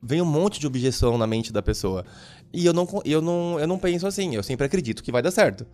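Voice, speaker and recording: A man with a Brazilian accent, a podcast guest telling lively stories in casual chat and acting out the dialogues. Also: on the high side, fast talker. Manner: animated storyteller who acts out dialogues.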